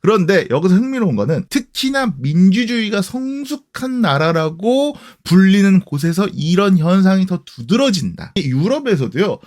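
Guy in his 30s talking to camera, voice on the higher side, lots of ups and downs, chatty explainer. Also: very animated, normal speed, few pauses, darkish tone. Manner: conversational, explaining with rhetorical questions. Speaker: history YouTuber. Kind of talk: casual commentary.

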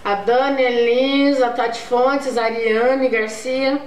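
A young Brazilian woman chats casually to the camera as a vlogger. Her voice is fairly high. It is picked up from a slight distance in a very roomy home space, with faint noise. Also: fairly even intonation, slow. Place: home kitchen and living room, indoors. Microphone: camera mic at table distance.

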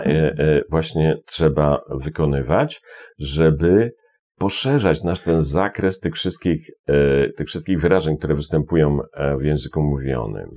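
A man's voice: rumbling low, a little mellow. A man from Poland teaching English phrases in an online lesson. He repeats words and explains with many fillers.

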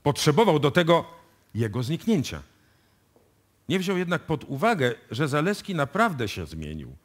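An actor playing a confident police detective who deliberately lays out a case in a radio play. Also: male voice, a little high, very animated. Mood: emphatic, assured. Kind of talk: live radio drama acting in Polish. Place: radio music studio, performed live before an audience.

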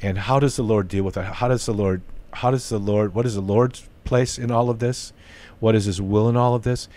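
A man's voice: on the low side, fairly even intonation, warm tone. An older man in his sixties hosting an interview podcast from a home study, talking earnestly and restarting his sentences often. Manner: earnest, halting with frequent restarts. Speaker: host. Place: home study lined with bookshelves. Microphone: studio mic on boom arm, headphones.

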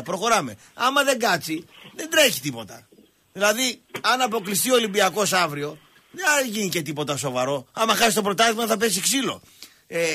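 A man's voice: high voice, bright, forceful tone. A man hosting a call-in sports radio show, talking bluntly and scolding callers with short repeated commands. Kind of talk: heated radio sports talk.

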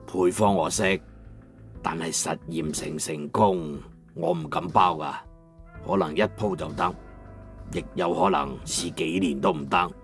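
An actor playing a proud, emotional old master locksmith in an emphatic Cantonese audiobook drama. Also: male voice, sits low, lively intonation, a little slow, gravelly, soft background music, full character voice. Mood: businesslike. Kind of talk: dramatized audiobook character acting.

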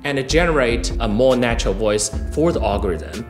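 A man's voice: mid-range voice, expressive, moderate pace. A middle-aged man, not a native English speaker, explaining technology in a promotional interview. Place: modern office interior. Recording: roomy, music behind.

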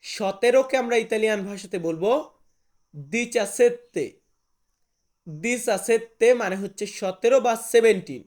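A man teaching a language lesson to expatriates in a slow, repetitive drilling manner with frequent recaps. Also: sits high, darkish tone.

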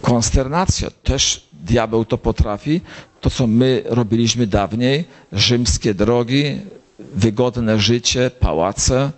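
An older priest preaches at an unhurried pace and speaks as if telling a story. His voice sits at an ordinary male pitch, and he now and then jumps up high to stress a point. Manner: slow storytelling, rising to high emphatic lines. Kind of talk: sermon. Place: gathering of bible circles.

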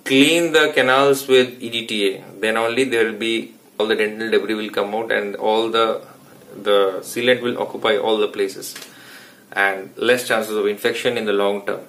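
A man's voice: fairly low pitch, steady tone, moderate pace, fairly bright tone. A man in his thirties with an Indian accent, a dentist explaining root canal work in an informal, self-correcting way in a small clinic room. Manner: explanatory, informal, with frequent restarts. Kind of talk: instructional vlog.

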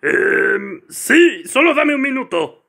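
A man's voice: high voice, sing-song, takes it slowly, vocal fry, sharp tone, exaggerated voice. A man voicing a big, greedy, gleefully scheming crocodile in a cartoon fan dub, theatrical and gloating. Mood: stalling.

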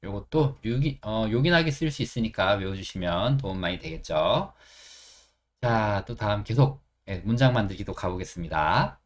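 A middle-aged man with a Korean accent, teaching an English lesson and repeating phrases slowly, step by step. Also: lowish voice, lively intonation.

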